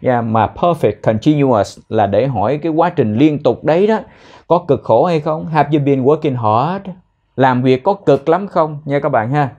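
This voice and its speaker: A young man teaching spoken English in a casual way, explaining phrases and repeating words slowly so learners can copy them. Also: a little high, expressive, dark tone, highs cut off.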